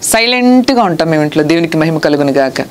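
A woman with a Telugu accent preaching a sermon, earnest and scolding, reading scripture slowly. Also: low voice, lively intonation, a little hiss or hum.

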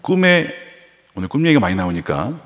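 A male pastor preaching a sermon with animated delivery, acting out the voices he quotes. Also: mid-range voice, brisk. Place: large church sanctuary. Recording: reverberant church hall.

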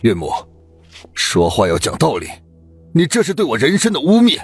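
A man's voice: mid-range voice, wildly swooping pitch, moderate pace, slightly rough, soft background music, exaggerated voice. A man playing a cold, indignant son-in-law in an audiobook drama, stiff in manner.

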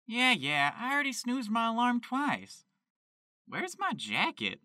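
A man playing an excitable young chicken farmer who talks in a folksy, exclamatory way in an amateur audio drama. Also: very high-pitched, unhurried, very noisy, heavily acted. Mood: weary. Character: excitable young male Kentucky chicken farmer, devoted to animals.

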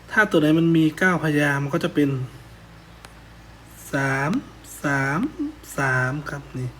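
Man, teacher, worksheet answer lesson, polite phrase endings, lilting chanted verse, fairly high pitch. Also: a little hiss or hum. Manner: polite, ends phrases with "ครับผม".

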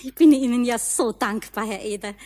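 A friendly middle-aged neighbour, played by a woman, coaxing and reassuring. Her voice is husky and mellow, in a children's radio play. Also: a little high, moderate pace, lightly acted.

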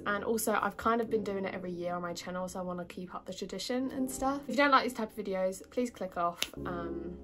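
A young British woman chatting casually to her viewers in a bubbly, informal way, with a slightly husky voice from a cold. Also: mid-range voice. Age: young adult. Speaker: vlogger. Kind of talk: casual chatty haul vlog.

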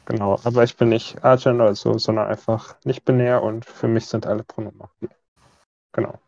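A man's voice: mid-range voice, flat delivery, brisk, gravelly, a little mellow, dry recording. A man in his early twenties from North Rhine-Westphalia, Germany, casually introducing himself. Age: 20s. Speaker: podcast member. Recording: dry, dull voice chat.

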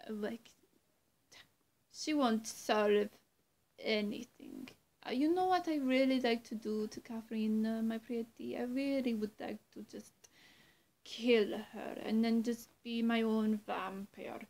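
Slow, creaky young woman playing a coaxing vampire. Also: on the high side, fairly even intonation, darkish tone. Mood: coaxing, menacing. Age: young adult. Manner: slow, halting, often dropping to a whisper. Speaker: roleplay performer. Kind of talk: in-character vampire roleplay to the listener. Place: small room indoors.

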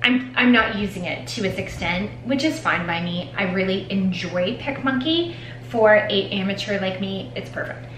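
A woman's voice: mid-range voice, lively intonation, moderate pace, a bit bright, reverberant, slight background noise, rough recording. A woman in her forties vlogging casually from her nail studio, rambling and self-deprecating as she talks to the camera. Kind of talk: casual vlog chat. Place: home nail studio with shelves of polish.

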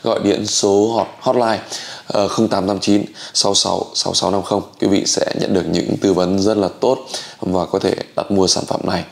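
A man in his forties hosting and delivering an infomercial-style sales pitch, with drawn-out words and pauses. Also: little pitch movement, gravelly, reverberant. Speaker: host. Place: small indoor room.

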